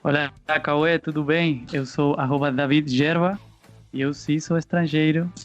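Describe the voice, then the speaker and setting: A man's voice: a little high, fairly even intonation, measured pace, soft background music. Argentine-accented man, dull lo-fi recording. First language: Spanish. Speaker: podcast co-host. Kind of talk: casual podcast talk.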